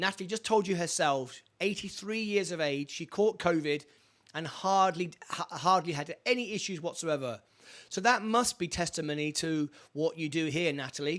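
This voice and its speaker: A man talks at a moderate pace with an English accent. His pitch is high for a man, with ordinary variation. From England. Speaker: talk show host. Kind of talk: online chat show interview.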